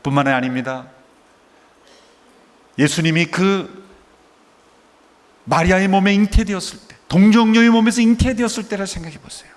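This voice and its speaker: A middle-aged man preaches a sermon in a high voice at normal speed, pausing often. He is emotive, raising rhetorical questions and acting out quoted dialogue, and a long hall reverb colors the sound.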